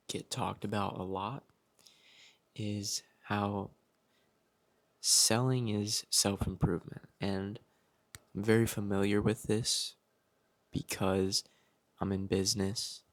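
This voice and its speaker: Young male vlogger, flat monotone delivery, talks himself through his goals at home. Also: on the low side, vocal fry. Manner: reflective, self-motivating, unhurried. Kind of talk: casual vlog talking to camera. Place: at home, indoors.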